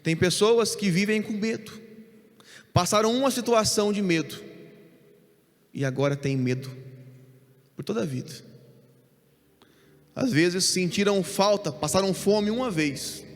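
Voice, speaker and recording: Pastor guy preaching, gravelly voice, kinda high, big church hall echo. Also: animated. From Brazil. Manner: earnest preaching, quick bursts then slow emphatic phrases. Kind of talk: sermon.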